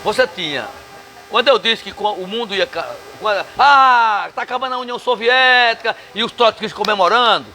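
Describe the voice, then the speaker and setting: A man's voice: high-pitched, brisk, pushed and bright, a little hiss or hum, poor audio. A man from Northeast Brazil with a Northeastern accent, talking as a guest in a casual bar interview, emphatic and combative, with salty language.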